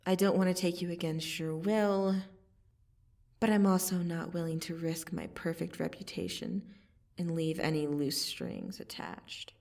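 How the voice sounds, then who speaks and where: A woman playing a menacing yet softening vampire assassin in an ASMR roleplay, intimate and deliberate, often slipping into a breathy whisper. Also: fairly low pitch, recorded from a distance. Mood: softening, earnest. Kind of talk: ASMR roleplay, scripted dramatic monologue.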